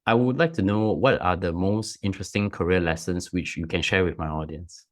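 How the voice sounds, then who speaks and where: A man's voice: low voice, fairly quick. A man hosting an interview podcast, with formal, scripted introductions and questions. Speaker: podcast host.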